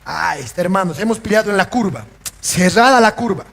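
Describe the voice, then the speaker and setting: A pastor preaching a sermon, asking the congregation questions and acting out little scenes in different voices. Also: male voice, high voice, expressive, fairly quick, creaky, a bit bright. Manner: acts out scenes in varied voices. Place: church. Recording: church hall reverb.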